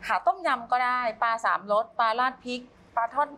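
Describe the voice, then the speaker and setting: A woman's voice: a little high, brisk, bright, forceful tone. A middle-aged woman, a restaurant owner on a TV talk show, answering politely and agreeing often. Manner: polite, affirming with frequent "yes". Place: TV studio set.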